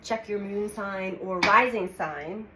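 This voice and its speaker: A woman with a slightly stuffy, cold-affected voice gives a calm, measured tarot reading. She speaks in the middle of her range and pauses as she lays out cards. The sound is roomy, with steady background noise. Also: medium pitch. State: congested from a cold. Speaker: tarot reader. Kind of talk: weekly astrology tarot reading. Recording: echoey room with audible background noise.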